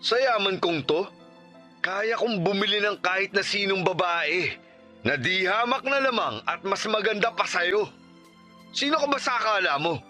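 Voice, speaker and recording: A man's voice: high-pitched, animated, moderate pace, pushed and bright, soft background music. An actor playing an arrogant, menacing rich male boss in a radio drama, contemptuous and bullying. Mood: contemptuous anger. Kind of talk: Tagalog radio drama acting.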